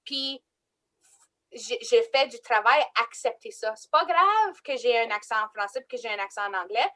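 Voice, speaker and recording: A woman leads a casual panel talk in a fairly high voice. She presses her points hard and repeats the phrases she wants to land. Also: normal speed. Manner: animated, emphatic, repeats key phrases. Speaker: panel moderator.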